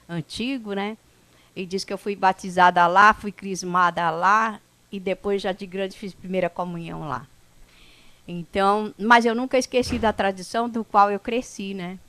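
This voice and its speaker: A woman from the São Paulo coast, a native speaker of a Brazilian indigenous language, recounts her life to an audience. She talks at a relaxed pace, often pausing to check in with a questioning "né?". Her voice sits at an ordinary middle pitch and is captured dry and close. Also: clear, resonant tone, no echo. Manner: unhurried, conversational, with frequent "né?" tags and restarts. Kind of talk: personal life story told to an audience.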